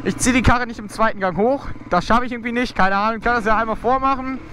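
Young male motovlogger, very high voice, coaching casually from inside a helmet, clear engine noise behind him. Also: fast, bright, forceful tone. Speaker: motovlogger giving a riding tutorial. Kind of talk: casual instructional commentary while riding. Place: outdoors inside a helmet, riding a motorcycle. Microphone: mic inside motorcycle helmet.

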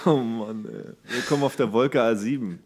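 A man's voice: mid-range voice, moderate pace, a little mellow. A man co-hosting a podcast in casual, comedic banter, with a playful, teasing way of talking. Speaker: podcast co-host.

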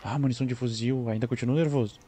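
A man's voice: medium pitch, steady tone, racing, mellow. A man commenting on his gameplay, nervous and talking to himself. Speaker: gameplay streamer. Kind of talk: let's play commentary.

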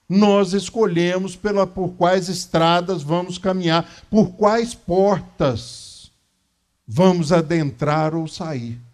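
This is a Brazilian man in his fifties with a somewhat high-pitched voice. He speaks as a lecturer on religious matters, in a didactic but conversational way. He tends to repeat key phrases for emphasis. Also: darkish tone. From Minas Gerais, Brazil. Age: 50s. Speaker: lecturer at a Spiritist centre. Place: small meeting room, indoors.

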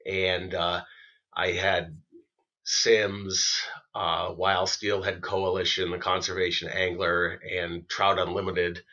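A man talking casually as a podcast guest, soft-spoken and halting, with many fillers. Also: low-pitched, dull audio. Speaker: guest musician and writer.

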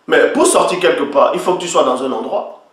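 A man's voice: a little high, brisk. A man preaching in an emphatic teaching style, often checking that his listeners follow him. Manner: emphatic, repeatedly asks listeners if they follow. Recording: very echoey room, voice far from mic.

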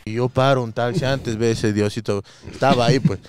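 A man's voice: medium pitch, fairly even intonation, fairly quick, darkish tone, a little hiss or hum. A man, chatting casually on a comedy podcast and often calling people "mija". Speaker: podcast co-host. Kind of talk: casual comic storytelling.

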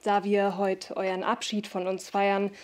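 A woman's voice: mid-range voice, monotone, a little slow, close to an everyday voice. An actress playing a gracious lady of the house in a radio drama, speaking politely and formally. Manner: polite, formal, warmly courteous.

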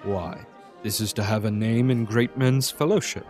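An actor playing a grumbling, cynical Roman servant in a Shakespearean audio drama. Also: male voice, on the low side, moderate pace, darkish tone, soft background music, lightly acted.

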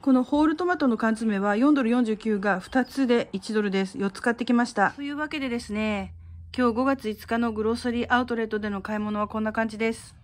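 A woman's voice: on the high side, fast. A middle-aged woman vlogger narrating casually in a matter-of-fact, conversational way, as in a shopping haul.

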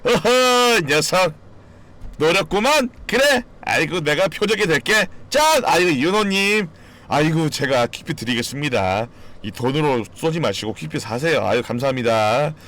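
Animated man streaming, swearing freely. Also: on the high side, moderate pace. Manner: swears freely, jokes with chat, sudden loud outbursts. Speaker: game streamer. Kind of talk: casual live-stream chat.

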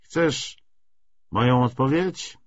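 A man reading aloud the part of a good-natured but evasive young man, halting and musing as he talks. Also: medium pitch, highs cut off, voice pushed up, close to an everyday voice. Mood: evasive, thoughtful.

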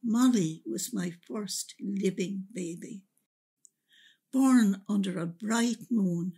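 Woman playing a husky, slow-talking older Irish mother. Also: mid-range voice. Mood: sombre, wistful. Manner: slow, reflective, expressive. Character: older Irish mother recalling wartime hardship, wistful and resilient. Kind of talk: radio drama monologue, reminiscing storytelling.

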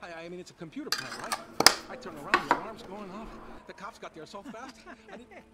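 An actor playing a jittery young criminal in a video game, agitated, stammering and foul-mouthed. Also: male voice, high-pitched, animated, fairly quick, very noisy. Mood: scared, pleading. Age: young adult. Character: panicky, jittery young male getaway criminal. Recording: game soundtrack music under the voice.

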